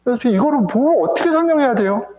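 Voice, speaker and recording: High-voiced emotional male pastor preaching. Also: animated, fast, highs cut off. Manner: emotional, rhetorical, addresses the congregation. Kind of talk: sermon. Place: church sanctuary. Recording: echoey church sanctuary.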